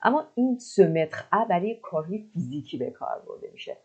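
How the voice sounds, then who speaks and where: A woman teaching French. She explains words in Persian and repeats French phrases slowly and carefully. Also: fairly low pitch, big pitch swings, dark tone, breathy edge, highs cut off. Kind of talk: explaining a language lesson.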